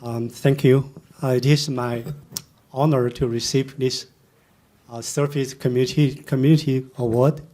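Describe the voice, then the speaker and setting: Slow, halting man giving acceptance speech. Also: mid-range voice, a little mellow. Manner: halting, searching for words.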